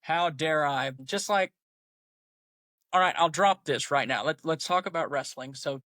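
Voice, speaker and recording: A man's voice: a little high, a little slow, sharp tone, dry recording. Opinionated man hosting a solo podcast. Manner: opinionated, rambling, self-deprecating humor. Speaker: podcast host. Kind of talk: casual solo podcast monologue.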